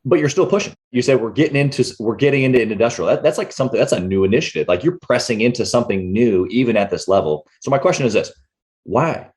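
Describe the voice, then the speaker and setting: A man's voice: mid-range voice, expressive, fast talker, darkish tone. A man hosting an interview podcast in a very informal, slangy, buddy-to-buddy way. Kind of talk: casual interview chat.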